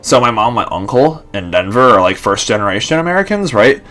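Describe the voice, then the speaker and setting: A man's voice: mid-range voice, lively intonation, brisk, a bit bright, faint music behind. A young man in his twenties rambling casually to camera, full of fillers and restarts. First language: Lithuanian and English bilingual. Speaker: vlogger.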